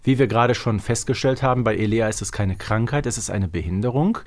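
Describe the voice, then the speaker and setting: A man's voice: fairly low pitch, fast talker. A man talking casually as a podcast co-host in an informal conversation. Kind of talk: casual chat about an audio drama series.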